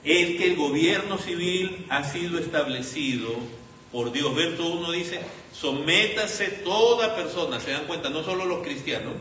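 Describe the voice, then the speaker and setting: A man's voice: a little high, moderate pace, fairly bright tone. A man preaching a sermon in an earnest, pleading way, often calling his listeners brothers. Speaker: pastor. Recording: echoey room, voice from some distance, faint hiss.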